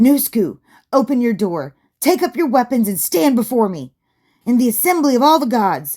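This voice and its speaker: A put-on character voice comes through in a very clean recording with a silent background. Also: woman, high pitch for a woman, moderate pace. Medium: read story.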